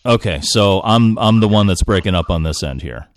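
A man on a phone speakerphone from his living room, his voice breaking up over a bad connection as he talks in halting, restarting sentences. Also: fairly low pitch, lively intonation, no room sound, studio quality. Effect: choppy speakerphone call breaking up. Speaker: co-host. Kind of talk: casual podcast chat.

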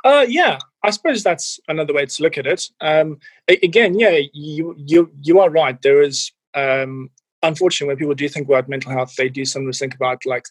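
A man's voice: a little high, fairly quick, husky, no room sound, poor audio. A man in his forties with a mild, anglicized South African accent, a fitness and mental health coach answering interview questions with lots of ums and restarts. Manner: hesitant, many fillers and restarts.

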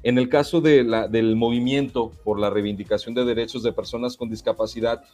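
Guy from mexico, sign language is his first language, measured earnest answers, lots of hesitations, faint music. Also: mid-range voice, steady tone, warm tone. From Jalisco, Mexico. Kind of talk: interview answers.

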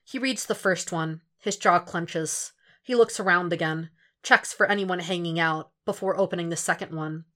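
A woman's voice: on the low side, normal speed, pushed and bright. A woman reading scripted fiction aloud as an audiobook narrator, in a dramatic storytelling style.

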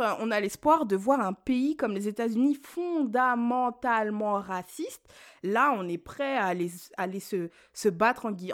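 A young woman from France in a casual discussion, animated, mimicking what others say and mixing in English phrases. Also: medium pitch. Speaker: discussion participant. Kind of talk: casual debate chat.

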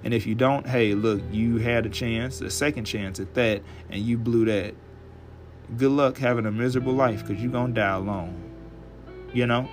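A male podcast host talking alone in a casual, chatty way, blunt and profane, his voice hoarse and raspy from a dry throat. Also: medium pitch, fairly even intonation, normal speed, faint music behind. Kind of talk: casual solo podcast monologue.

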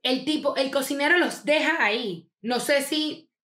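A young Venezuelan woman telling a wild family story in fast, slangy casual chat, acting out the people she quotes. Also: high voice. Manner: fast, slangy, animated retelling with acted quotes. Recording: echoey room.

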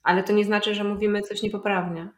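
A woman's voice: medium pitch, level tone, fast, echoey room. A woman guest in a casual interview who explains language learning at length, thinking aloud with fillers and restarts. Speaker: polyglot guest.

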